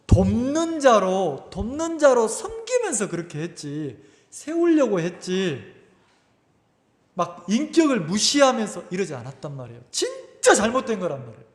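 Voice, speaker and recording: A male pastor preaching a sermon, animated, often asking the congregation questions. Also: sits high. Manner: animated, asks the congregation questions, acts out quotes. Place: church sanctuary. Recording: reverberant church hall.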